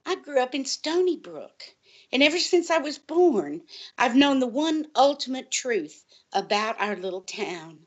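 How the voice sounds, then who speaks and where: An actress playing a distraught, paranoid college librarian in an audio drama, earnest and insistent, halting and pleading in her delivery. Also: sits high, very animated, dull audio, exaggerated voice. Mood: anxious, wounded. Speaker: guest on a college radio show.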